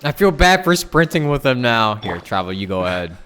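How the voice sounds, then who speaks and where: A man's voice: medium pitch, big pitch swings, brisk, fairly bright tone, slight background noise. A man livestreaming a game with casual, slangy commentary, reacting off the cuff. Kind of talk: casual live commentary while gaming. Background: game music and sound.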